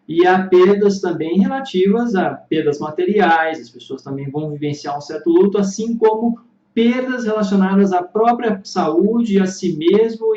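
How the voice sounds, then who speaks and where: Man, high-ish voice, reflective vlog monologue, pauses and restarts to find words; muffled roomy recording. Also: warm tone. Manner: thoughtful, searching for words, frequent restarts. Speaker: psychotherapist vlogger. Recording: roomy, dull lo-fi sound.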